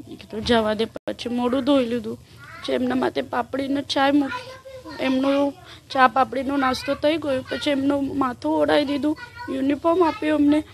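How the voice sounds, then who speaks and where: A grieving middle-aged mother, quietly and tearfully retelling the last morning with her daughter. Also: high-pitched, gravelly, slight background noise. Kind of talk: interview recollection.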